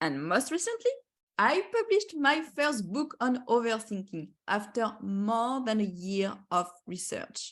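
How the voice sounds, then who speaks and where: A woman speaks slowly-ish, at a fairly slow pace, in a strong French accent with a somewhat breathy voice. Her pitch is fairly high, her intonation lively, and the background quiet. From France. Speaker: author and keynote speaker. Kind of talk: interactive keynote talk. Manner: animated.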